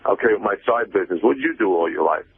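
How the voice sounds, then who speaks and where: A man's voice: fairly low pitch, animated, rapid-fire, gravelly, husky, dry recording. A man calling in to a radio show, arguing casually in a defensive, insistent way. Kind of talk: casual argumentative chat. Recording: tinny phone line with noise.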